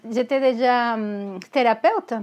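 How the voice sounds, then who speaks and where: Woman, Venezuelan Spanish accent, fairly high voice, therapist, earnest interview guest. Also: a little slow, darkish tone. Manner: earnest, many restarts and repeated words. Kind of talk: candid interview talk.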